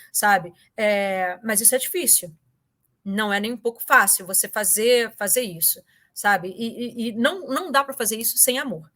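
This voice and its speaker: High, bright-voiced woman. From Brazil. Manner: animated, full of fillers and repeated words. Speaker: interview guest. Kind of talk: casual anecdotal storytelling.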